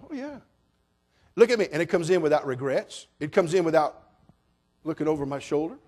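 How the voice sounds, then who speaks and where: A middle-aged man preaching a sermon as pastor, folksy and joking, building up to shouted passages. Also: a little high, lively intonation, a little fast.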